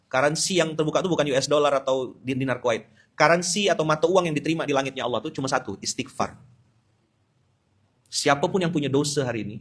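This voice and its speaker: A man's voice: a little high, fairly bright tone, husky. A man from Indonesia, preaching a dawn sermon with humor and Quran recitation.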